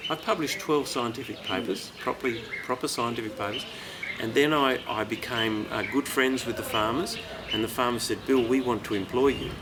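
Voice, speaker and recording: A man with an Australian accent at medium pitch and fairly quick pace, ordinary pitch variation, over noticeable background noise. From Western Australia. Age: 60s. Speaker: farmer and agricultural scientist. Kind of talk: interview. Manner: halting.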